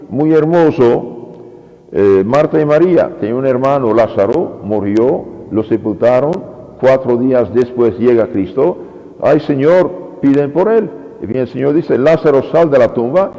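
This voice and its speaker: Priest guy giving a sermon, gravelly, voice jumps all over, echoey church, kinda muffled. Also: mid-range voice. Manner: lively preaching, acting out quoted pleas. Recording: lo-fi recording with long church reverb.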